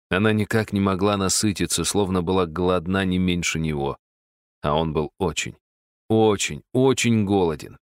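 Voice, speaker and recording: Brief: male audiobook narrator, deep, measured and wry, dry studio sound. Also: no echo.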